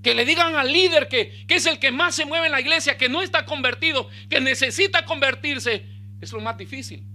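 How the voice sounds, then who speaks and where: A male pastor, preaching a sermon with bursts of emphasis and quiet low asides. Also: brisk.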